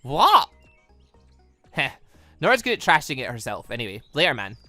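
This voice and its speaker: Bright, animated gaming commentator. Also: mid-range voice, normal speed, no echo. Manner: animated, rambling, self-questioning asides. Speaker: gaming channel host. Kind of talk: let's play commentary, reading game dialogue aloud. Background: game music.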